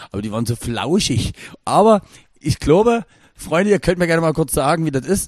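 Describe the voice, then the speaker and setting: In a quiet background, a man talks at a very fast pace. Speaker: podcast host and DJ. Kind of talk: casual chat. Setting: video call.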